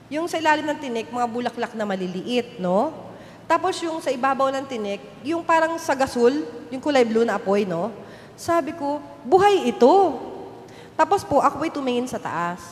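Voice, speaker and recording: A young woman earnestly telling a personal faith testimony to a gathering, narrating with polite respectful phrasing. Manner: earnest, storytelling, polite po throughout. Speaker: guest testifying at a church gathering. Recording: long hall reverb, faint rumble.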